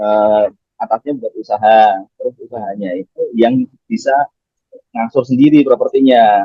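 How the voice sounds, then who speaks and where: A man with a Javanese accent talks at a moderate pace. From Demak, Central Java. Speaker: laundry business owner. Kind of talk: interview.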